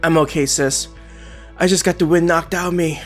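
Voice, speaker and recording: A man voicing a calm young male fighter who talks in a steady, even way. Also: on the high side, normal speed, natural voice. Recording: music playing underneath.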